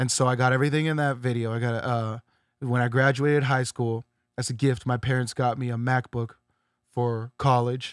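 Over a quiet background, a man with an American accent talks in monotone, flat intonation, the sound dry with no echo. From small farm town in California. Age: young. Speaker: music producer; guest. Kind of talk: casual interview chat. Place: studio. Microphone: studio mic.

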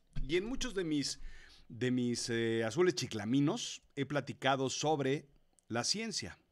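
Speaking at a fairly slow pace, a fairly high-pitched man with a Mexican accent sounds animated, with lively intonation against a quiet background. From Mexico. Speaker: podcast host, writing coach. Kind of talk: casual live-stream monologue; casual live stream monologue. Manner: animated, conversational. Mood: animated, slightly worked up. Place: home room. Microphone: webcam.

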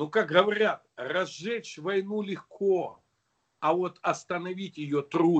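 Against a quiet background, a man talks at a very slow pace. His voice is high-pitched with ordinary pitch variation. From Ukraine, Kherson region; Ukraine. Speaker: politician. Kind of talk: interview. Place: home room. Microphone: video call.

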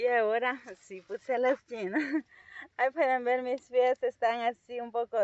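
A woman speaks at a fairly slow pace in a high pitch with ordinary pitch variation, the sound dry with no echo. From El Salvador, rural. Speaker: vlogger and farmer; vlogger. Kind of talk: casual vlog to camera. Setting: outdoors in the countryside. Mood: cheerful, laughing. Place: farm machine. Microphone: phone near.

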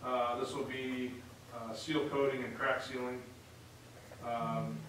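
Against noticeable background noise and audible room echo, a man speaks in a monotone, flat intonation. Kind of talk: budget presentation. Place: meeting room.

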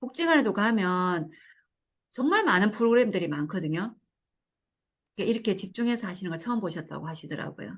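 A somewhat breathy woman at a fairly quick pace, with lively intonation and long, frequent pauses, against a quiet background. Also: medium pitch for a woman. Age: 50s. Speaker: brain training franchise manager. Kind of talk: case presentation. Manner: halting.

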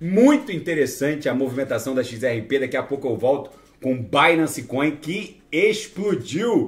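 A man speaks at a fairly slow pace in a somewhat breathy voice. His pitch is fairly high and his intonation lively. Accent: Brazilian. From Brazil. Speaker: crypto trading analyst. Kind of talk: market analysis monologue. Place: home room.

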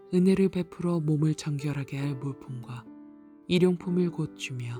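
Music plays in the background as a woman speaks at a very deep, low pitch. She talks at a fairly slow pace, with lively intonation. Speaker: Bible reader. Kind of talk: scripture reading.

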